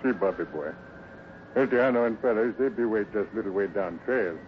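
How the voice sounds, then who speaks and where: A man's voice: fairly low pitch, fairly quick, close to an everyday voice. A man playing a loyal, protective Indian scout who speaks broken English with a few Spanish words, in a 1950s radio adventure. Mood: calm, reassuring. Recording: muffled, faintly hissy 1950s radio recording.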